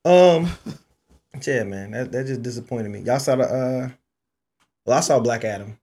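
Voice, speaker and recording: A man's voice: medium pitch, normal speed, dark tone, slightly rough. A man co-hosting a podcast, talking in loose, profane banter and laughing often. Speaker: podcast co-host. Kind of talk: casual chat.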